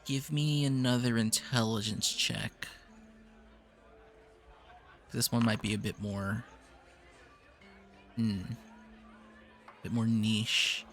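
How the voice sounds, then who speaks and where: A man narrating lore as game master of a tabletop game, explaining history in a measured way. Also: medium pitch, a bit bright.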